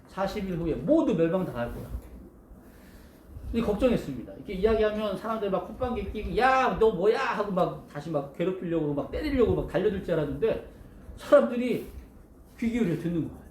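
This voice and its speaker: Animated male pastor telling a Bible story. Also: high-pitched, echoey room, a little hiss or hum. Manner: lively, animated storyteller who asks the listeners questions. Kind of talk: storytelling sermon for children.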